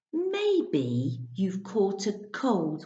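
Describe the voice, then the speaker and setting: A put-on character voice, female-sounding, at a middle pitch. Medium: read story.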